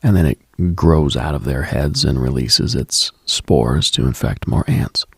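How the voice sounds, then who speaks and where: Very deep, gravelly man, hushed and slow. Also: no room sound, clean studio sound. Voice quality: husky, gravelly, breathy. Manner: hushed, musing, pausing often. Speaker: late-night radio host. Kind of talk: slow late-night mystical radio monologue, ASMR-like.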